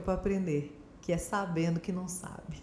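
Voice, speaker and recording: A woman's dark, mellow tone at a moderate pace, with audible room echo. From Paraná, southern Brazil (Maringá); Paraná, Brazil. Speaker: educator, educational psychologist; guest. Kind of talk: casual chat. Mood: warm, animated, smiling. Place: studio.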